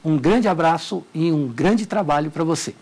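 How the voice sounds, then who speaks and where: A man's voice: fairly high pitch, moderate pace, darkish tone, slightly rough. A middle-aged Brazilian man teaching legal Portuguese in a televised lecture, emphatic and repeating his key warnings. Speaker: law language teacher.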